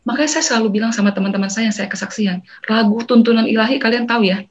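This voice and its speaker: Woman telling a lively church testimony. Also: on the high side, fast talker. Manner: lively storytelling, acting out quoted dialogue; mixes in English phrases. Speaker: testimony speaker. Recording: dull lo-fi recording.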